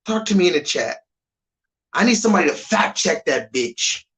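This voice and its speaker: A man's voice: very animated, normal speed, poor audio. Heated, profane man ranting on a live stream. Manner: swings between loud high bursts and low mutters. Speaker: livestreamer.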